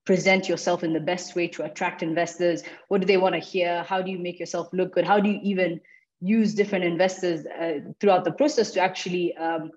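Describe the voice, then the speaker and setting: A woman's voice: on the low side, darkish tone. A young adult woman founder reflecting on her fundraising, speaking on a video call from a home office with frequent fillers. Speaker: startup founder. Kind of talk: panel discussion on a video call. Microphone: video call with earbuds. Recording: dull lo-fi video call audio.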